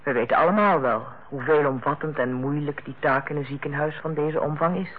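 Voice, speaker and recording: An actress playing a tactful, composed middle-aged hospital director in a Dutch radio play, speaking in a measured, formal way. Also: female voice, low voice, slightly rough. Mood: diplomatic, firm. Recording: tinny, narrow-band old radio recording.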